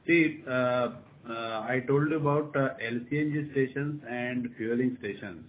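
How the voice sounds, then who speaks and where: A man with an Indian accent, a company executive giving unscripted answers on a conference call, repeating himself for reassurance. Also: slow. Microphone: telephone conference line. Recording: noisy narrowband phone line with rumble.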